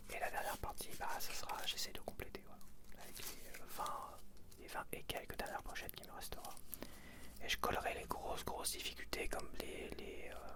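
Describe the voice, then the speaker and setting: A man whispering an ASMR video, thinking aloud casually in short, hesitant phrases. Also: normal speed. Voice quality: whispered, unvoiced. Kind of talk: ASMR, casual chat while sorting sticker packets.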